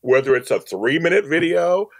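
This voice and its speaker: A man's voice: on the high side, animated, normal speed, creaky. A man talking casually as an interview guest, emphatic, often repeating phrases and acting out quotes. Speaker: podcast guest, audio drama producer and director.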